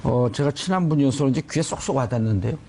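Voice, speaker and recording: A man's voice: medium pitch, expressive, fast, warm tone, a little hiss or hum. A man hosting a current affairs talk in a colloquial, opinionated way, often interjecting. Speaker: talk show host.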